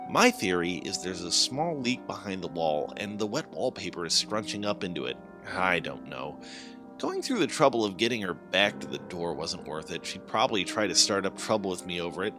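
A man with a fairly low voice narrates a horror story in the first person. His delivery is expressive and deliberate, with very lively rises and falls in pitch. Music plays behind him throughout. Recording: background music under the voice.

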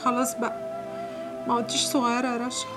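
An actress playing a wronged young maid who wails and curses, with an Egyptian accent. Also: female voice, on the high side, wildly swooping pitch, fast talker, loud music behind the voice. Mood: sad. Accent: Egyptian Arabic. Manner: wailing, cursing outbursts. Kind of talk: TV drama acting.

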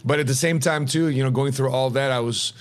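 A middle-aged man, a retirement planner, tells his story as an interview guest, animated and acting out quoted voices, in a home office on a podcast mic. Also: medium pitch, fairly quick, a little hiss or hum. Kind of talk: interview conversation. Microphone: podcast mic on boom arm.

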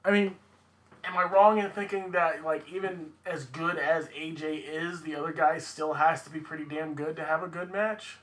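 A man's voice: fairly high pitch, steady tone, moderate pace, a bit bright, poor audio. A man co-hosting a podcast in a casual, conversational style. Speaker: podcast co-host. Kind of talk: casual chat, wrestling discussion.

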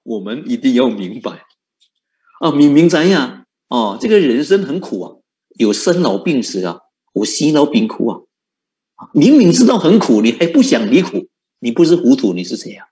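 A man giving a Buddhist dharma talk as a monk teacher, asking rhetorical questions and chuckling often. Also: medium pitch. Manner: animated, rhetorical questions, frequent chuckles and drawn-out particles.

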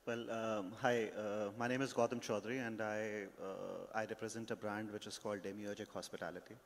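A man running a restaurant brand, introducing himself on a conference panel, halting with many fillers into a handheld mic. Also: lowish voice, flat delivery, creaky. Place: large conference stage. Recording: long hall reverb, faint noise.

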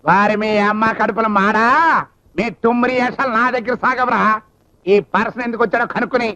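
A short-tempered uncle who barks insults in a very high voice and runs through his scolding at a quick pace. The scene is a film comedy. The sound comes from a dull old soundtrack with music running under it. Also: steady tone, pushed and bright. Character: bullying, short-tempered uncle and house owner.

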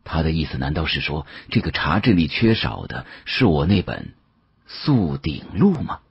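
A man narrating an audiobook in the first person, dramatic, expressive and musing. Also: very deep voice, moderate pace, gravelly, husky, no room sound, highs cut off.

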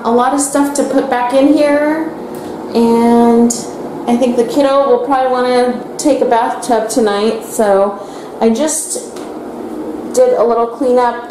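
A woman vlogger giving an enthusiastic, casual tour of her newly remodeled bathroom, recorded on a handheld camcorder. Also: a little high. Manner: chatty and enthusiastic, addresses viewers as you guys. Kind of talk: casual home tour narration. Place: small bathroom indoors. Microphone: handheld camcorder mic. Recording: echoey small bathroom, faint room hiss.

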